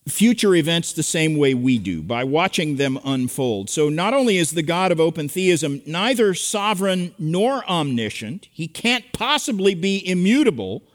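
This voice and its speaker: A man's voice: on the high side, sing-song, normal speed, hardly any pauses. A man preaching an expository sermon to a congregation, earnest and emphatic as he teaches. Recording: echoey hall with long reverb.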